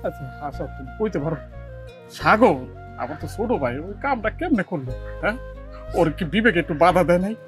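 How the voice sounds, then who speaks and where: A man's voice: high-pitched, animated, brisk, soft background music. A man playing an anxious poor village husband. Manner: worried, despairing. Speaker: village husband and elder brother. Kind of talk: television drama acting.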